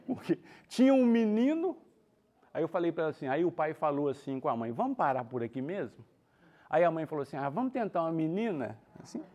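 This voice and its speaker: High-voiced Brazilian man giving a spiritist talk. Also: a little mellow. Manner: colloquial, storytelling with humor. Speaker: spiritist speaker.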